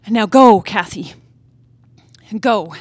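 A woman's voice: mid-range voice, expressive, takes it slowly, dry recording. A woman acting a restless, defiant young wife in a dramatic stage play reading, yearning and impassioned. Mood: wistful, resolute. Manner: theatrical, impassioned soliloquy. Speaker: playwright reading her own play.

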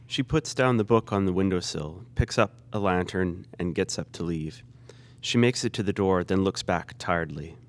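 Man, low-pitched voice, stage directions reader, scripted play narration. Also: moderate pace.

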